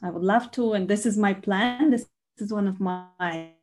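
A woman from Russia whose first language is Russian, speaking English as an interview guest in a measured way, pausing often with fillers. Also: medium pitch, a little mellow. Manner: measured, with frequent pauses and fillers. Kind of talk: conversational interview.

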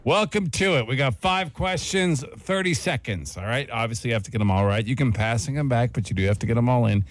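A man's voice: mid-range voice, brisk, a little hiss or hum. A man chatting casually as a radio show co-host. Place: radio studio. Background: music bed.

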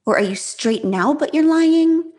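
A woman author with a high-pitched voice, talking fast and openly as a guest in an interview. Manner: fast, animated, self-revealing, many restarts. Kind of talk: casual interview talk.

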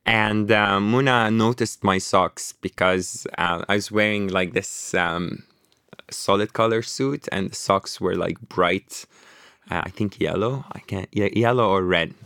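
A man with a very low voice talks through his stories in a relaxed, rambling way, stopping and restarting often. The recording is dry and close, with no room sound. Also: measured pace, smooth, no room sound. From Lebanon. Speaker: author guest. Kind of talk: casual interview conversation.

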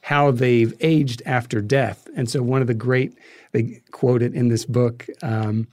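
A man speaks as an interview guest, recounting anecdotes in a conversational way. His voice sits at a middling pitch and he pauses and restarts as he works through his thoughts. The sound is dry, with very little room. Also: fairly even intonation, darkish tone, no echo.

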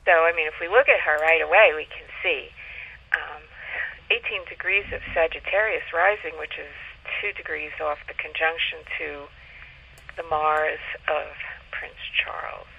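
Creaky, higher-pitched man on muffled audio. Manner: halting, thinking aloud with pauses. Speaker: guest astrologer. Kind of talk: explanatory interview talk.

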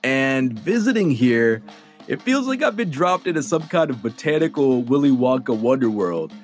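A man's voice: mid-range voice, sing-song, normal speed. A man hosting and narrating a food documentary in a playful, conversational way. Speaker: host and reporter. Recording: light music underneath.

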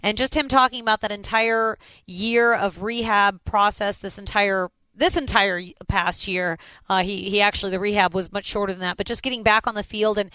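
Podcast host, bright tense voice, upbeat and chatty, dry close sound. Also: male voice, high-pitched, steady tone, normal speed, clear, resonant tone, no room sound, low-quality recording. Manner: upbeat, chatty, reads sponsor spots. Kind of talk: sports podcast interview and ad reads. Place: stadium.

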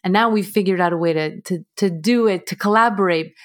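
A woman in her thirties, a relationship coach, giving thoughtful, measured explanations as an interview guest. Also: on the low side. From United States.

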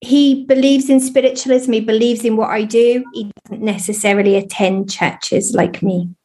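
A woman's voice: on the high side, steady tone, normal speed. An English woman in her fifties with a slightly Scottish-sounding accent, a spiritualist medium candidly sharing her life story in a podcast interview. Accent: English, with a Scottish tinge. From England. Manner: earnest, candid, warm.

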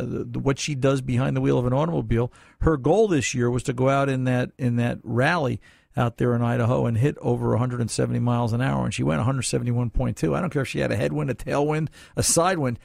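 Gravelly folksy radio car show host man. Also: medium pitch, darkish tone, dry recording, studio quality. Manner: folksy, chatty, opinionated. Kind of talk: call-in radio chat. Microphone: studio mic.

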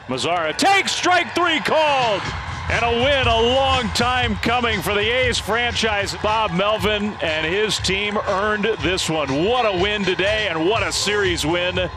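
A man calling a baseball game live with an excited, building play-by-play delivery. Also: high voice, unhurried. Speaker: play-by-play announcer.

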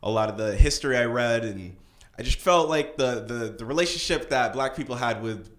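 A man's voice: medium pitch, fairly quick. Hesitant man in an echoey room. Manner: hesitant, searching, many ums and restarts. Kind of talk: casual podcast talk.

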